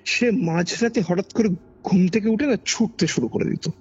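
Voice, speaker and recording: Husky Kolkata Bengali man telling ghost stories. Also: sits high, normal speed. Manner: dramatic, repeats phrases for emphasis. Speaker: podcast guest recounting a personal ghost experience. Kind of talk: conversational ghost-story telling. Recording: dull lo-fi audio under background music. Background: background music.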